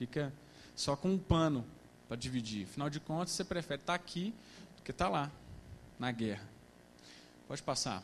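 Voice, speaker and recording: Fairly high in pitch and lively in intonation, a man speaks at a fairly quick pace, broken by long, frequent pauses. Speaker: missionary. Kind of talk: testimony.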